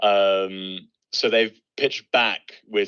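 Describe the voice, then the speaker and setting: A man with a British accent, in a dry, close sound with no echo over a quiet background. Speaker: wholesaling student asking about a deal. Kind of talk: casual call-in Q&A.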